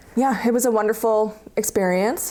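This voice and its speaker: A normal speaking voice from a woman with a Canadian accent, moderate in pace with fairly even intonation. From Richmond, British Columbia, Canada. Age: 30s. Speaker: nurse. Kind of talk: interview.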